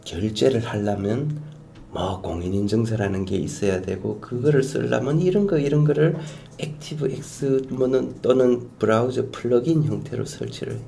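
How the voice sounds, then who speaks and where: A middle-aged man, a guest expert, explaining in an animated way on a talk show, with quiet asides and emphatic bursts. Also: mid-range voice, moderate pace, gravelly.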